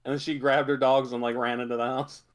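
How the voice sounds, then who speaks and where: A man co-hosting a podcast in casual chat, speaking in an informal, halting, offhand way. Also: medium pitch, level tone. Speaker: podcast co-host.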